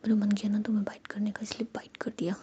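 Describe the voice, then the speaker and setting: A teasing young woman whispers close and low, as a woman storyteller puts her on. The tone is mellow and dark, and the recording sounds dull and lo-fi with faint hiss underneath. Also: monotone, fast, close to an everyday voice.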